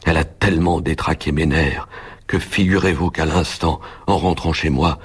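A man's voice: rumbling low, fairly even intonation, normal speed, slightly rough, exaggerated voice. A man reading the lines of a frightened, breathless young doctor in a muffled, hollow voice. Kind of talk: audiobook character reading.

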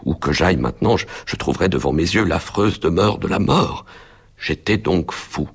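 A man reads a story aloud in measured audiobook narration. His voice sits extremely low and gravelly, with a deep fry in the tone. The sound is heavily husky and breathy throughout.

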